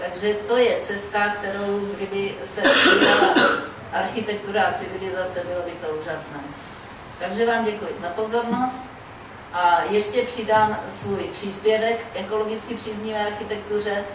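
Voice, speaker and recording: Amid noticeable background noise and audible room echo, a woman at medium pitch talks at a moderate pace with fairly even intonation. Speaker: seminar moderator. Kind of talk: panel moderation. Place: hall.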